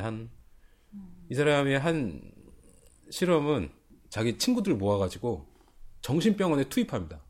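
Speaking at a fairly slow pace, a man with a medium-pitched voice makes very wide pitch swings on a very clean recording with a silent background. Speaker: book podcast host presenting a book. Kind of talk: casual book discussion podcast. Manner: conversational, with many fillers.

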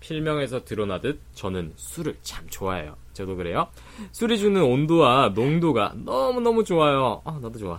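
With a Gyeongsang accent, a man speaks at a medium pitch and a moderate pace in an animated tone. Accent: Gyeongsang dialect Korean. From Gyeongsang region, South Korea. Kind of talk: casual chat with dialect demonstration. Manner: animated, laughs often.

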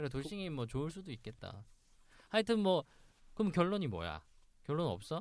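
Very wide pitch swings from a man with a fairly high pitch, a fairly quick pace and long, frequent pauses. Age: 30s.

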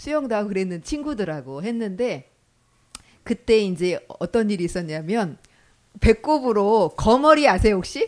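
A woman's fairly high voice at a moderate pace, with very wide pitch swings, on a very clean recording with a silent background. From Iksan, North Jeolla, South Korea. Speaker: local Korean participant. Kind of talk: personal storytelling.

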